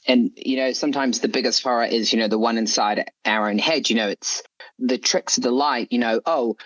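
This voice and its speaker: A man being interviewed as a horror story author chats casually, rambling and hedging with frequent "you know" and "like." His mid-range voice is fairly bright and a little fast. The audio is dull, with no room sound.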